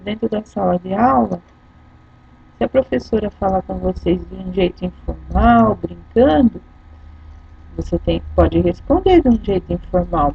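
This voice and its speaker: A woman's voice: medium pitch, vocal fry, slightly rough. A woman teacher with a Brazilian Portuguese accent, patiently explaining a lesson step by step and often checking in with her pupils. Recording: dull lo-fi recording.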